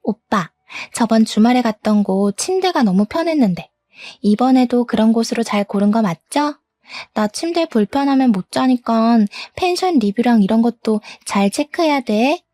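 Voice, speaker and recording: A woman's voice: a little high, animated, normal speed, mellow, no echo, clean studio sound, close to an everyday voice. Woman doing a coy young mistress. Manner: coy, wheedling.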